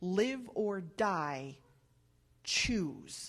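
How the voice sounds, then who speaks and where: Against a quiet background, a woman performs a booming, resonant put-on character voice at a medium pitch. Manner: commanding.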